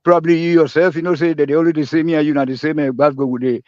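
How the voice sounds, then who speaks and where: A man's voice: on the high side, fairly even intonation, rapid-fire, darkish tone, dry recording. A man with a Nigerian, Pidgin-inflected accent chats in a live audio room, rambling, laughing and repeating himself. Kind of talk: casual live-room chat. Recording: dull lo-fi dry stream audio.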